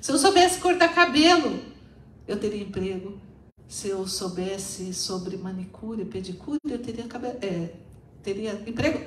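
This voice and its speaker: A woman with a southern Brazilian accent speaks at a fairly slow pace, her pitch swinging very widely. Room echo is audible, and there is noticeable background noise. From southern Brazil, Paraná. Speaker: spiritist lecturer. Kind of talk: lecture.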